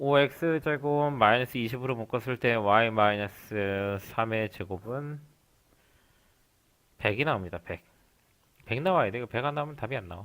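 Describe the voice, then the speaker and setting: Pausing long and often, a man speaks at medium pitch with ordinary pitch variation. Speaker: math teacher. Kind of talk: lecture. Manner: fast.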